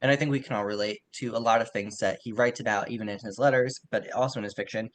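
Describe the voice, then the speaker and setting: A man's voice: lowish voice, steady tone, quick pace. A man co-hosting a podcast, casually discussing literature in a conversational, self-qualifying way, on poor audio. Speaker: podcast co-host.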